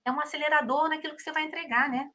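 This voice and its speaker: A woman's voice: sits high, steady tone, racing, sharp tone. A middle-aged woman with a Brazilian Portuguese accent, hosting a podcast interview in a casual, effusive way. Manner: effusive, exclaims often. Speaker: podcast host.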